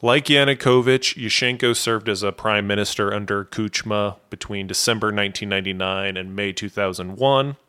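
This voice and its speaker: A man hosting a podcast, reading a scripted history narration in a steady, explanatory way. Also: fairly low pitch, normal speed, hardly any pauses, smooth. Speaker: podcast host.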